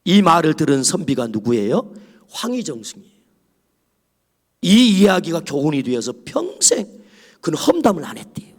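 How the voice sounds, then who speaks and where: A male pastor preaches with a high, animated, husky voice that swoops up and down, dropping to a whisper for quoted lines. He keeps a moderate pace with frequent pauses, and the church sanctuary lends a long reverb.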